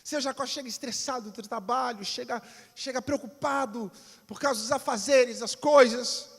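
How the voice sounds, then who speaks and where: A Brazilian pastor with a very high voice tells a sermon story with dramatic swings. A long reverb from a church hall trails behind his words. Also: moderate pace, gravelly, a bit bright, husky.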